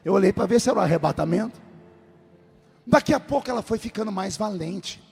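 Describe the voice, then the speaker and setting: A male pastor telling a comic personal story in a sermon, animated and lively, in a large church hall. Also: high-pitched, fairly quick, creaky, slightly rough. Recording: long hall reverb.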